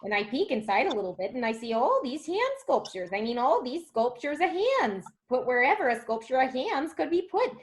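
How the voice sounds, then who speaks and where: A woman's voice: sits high, big pitch swings, fairly quick, few pauses. A woman playing a gossipy, easily rattled neighbor lady with a folksy Minnesotan accent in a comedy sketch reading.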